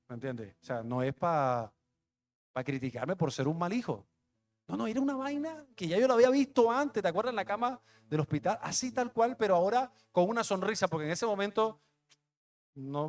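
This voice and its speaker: A young adult man, a pastor, telling a personal testimony in a conversational, emotional sermon. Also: fairly high pitch. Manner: conversational, emotional storytelling with street slang.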